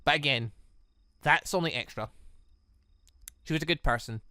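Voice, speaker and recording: A man voicing a subdued, apologetic young female hunter from a visual novel in a quiet, halting delivery. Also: a little high, dry recording.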